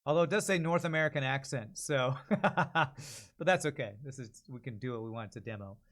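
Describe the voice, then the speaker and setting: A man's voice: medium pitch, fairly quick, fairly bright tone. A man chatting casually as a streamer, thinking aloud to his viewers. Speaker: streamer practicing voice-over.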